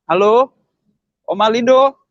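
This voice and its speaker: A man's voice: very high voice, slow pace, a bit bright, dry recording. A man calling into a live chat on a bad connection that keeps breaking up, repeatedly saying hello to check he can be heard. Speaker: caller. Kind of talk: video call chat. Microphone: video call. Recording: lo-fi video call audio.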